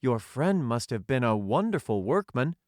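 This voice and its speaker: A man's voice: medium pitch, big pitch swings, normal speed, a little mellow, no echo, studio quality, pitched above the performer's own voice, lightly acted. Man voicing a curious, eager young boy. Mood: amazed. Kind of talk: audiobook character voice.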